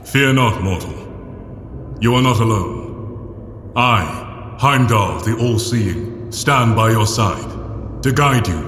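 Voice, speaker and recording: Solemn guardian god, lowish voice, slow stately delivery, audio drama, long cavernous echo. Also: male voice, lively intonation, a bit bright. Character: Heimdall, solemn, all-seeing guardian god of steadfast calm. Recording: cavernous echoing reverb, faint noise.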